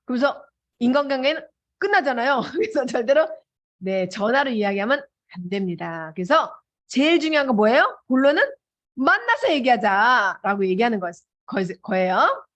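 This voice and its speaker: High, lively Korean seminar speaker woman. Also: brisk, lo-fi sound. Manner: animated, acts out dialogues with changing voices. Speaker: motivational speaker. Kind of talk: seminar talk.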